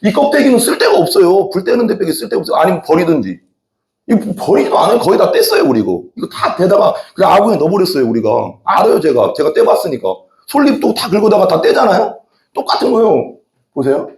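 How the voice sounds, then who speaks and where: A man's voice: high-pitched, very animated, fast talker, a little mellow. A middle-aged man preaching a sermon as a pastor, telling rambling folksy stories from the pulpit. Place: church sanctuary. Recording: echoey church hall.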